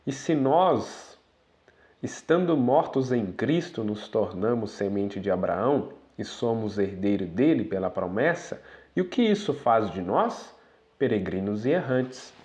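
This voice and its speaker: A man's voice: on the low side, animated, measured pace, a little mellow. A man preaching a sermon, reading quoted passages aloud and breaking in with asides to the brethren.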